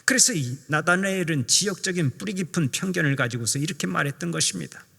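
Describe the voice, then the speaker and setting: Older male pastor, somewhat high and gravelly voice, earnest sermon in a reverberant church hall. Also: lively intonation, fast talker, bright, forceful tone. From Jeolla, South Korea. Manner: earnest preaching, acts out quoted speech. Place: church sanctuary.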